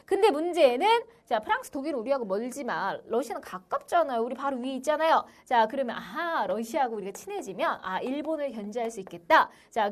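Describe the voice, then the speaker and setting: A young woman giving an online history lecture for middle school students, with "자" as a constant filler and short quotes acted out in small voices. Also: high-pitched. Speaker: history teacher.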